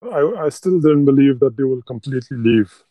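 A man's voice: mid-range voice, moderate pace, dark tone, no echo. A man from Afghanistan giving interview testimony, his voice digitally altered to hide who he is, talking earnestly with filler words and restarts. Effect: voice digitally altered to disguise identity. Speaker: interviewee, former interpreter and contractor.

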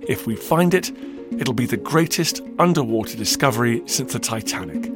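A man's voice: mid-range voice, lively intonation, normal speed. Male narrator, documentary podcast host, dramatic emphatic read, music bed under voice. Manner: dramatic, emphatic storytelling delivery. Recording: narration over loud music.

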